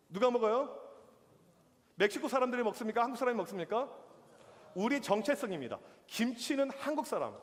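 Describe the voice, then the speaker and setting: A man's voice: sits high, long reverb tail. A man preaching a youth sermon as the pastor, telling stories and acting out the reactions of people in them. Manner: animated storytelling with acted-out reactions. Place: church hall.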